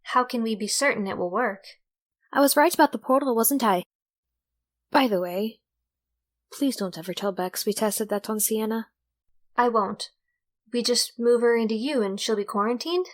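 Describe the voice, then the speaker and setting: Woman acting a young female inventor, fairly high voice, earnest, explanatory, conversational, audio drama. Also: moderate pace, pauses often, natural voice.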